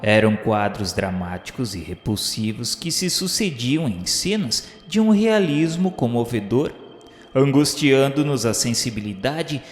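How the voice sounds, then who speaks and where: Radio novela narrator: man, mid-pitched, grave and theatrical, slow pacing, long reverb over music. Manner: solemn, literary, dramatic.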